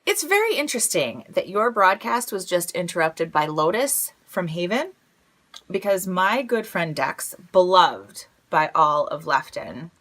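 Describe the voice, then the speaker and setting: Animated, awkward lone wasteland broadcaster woman. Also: medium pitch. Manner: awkward, self-deprecating, dramatic pauses. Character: wry, rambling lone female radio broadcaster and amateur investigator. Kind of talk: comedic audio drama monologue.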